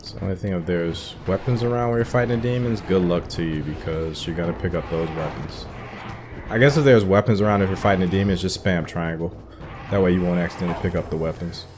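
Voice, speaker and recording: A man's voice: low voice, fast talker, background noise. A man giving casual commentary as he plays through a video game for his viewers. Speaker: gaming streamer doing a playthrough. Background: game music.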